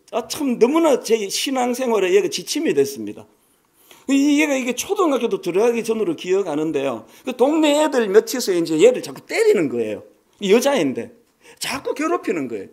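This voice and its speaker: High-voiced, lively preacher in his sixties. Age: 60s. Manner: conversational, animated preaching with rhetorical questions. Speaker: pastor. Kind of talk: sermon.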